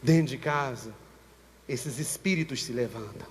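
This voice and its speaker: A Brazilian man with a Brazilian Portuguese accent, preaching a sermon as pastor at a church service with impassioned, slow, emphatic repetition. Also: medium pitch, slight background noise. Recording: church reverb with long echo tail.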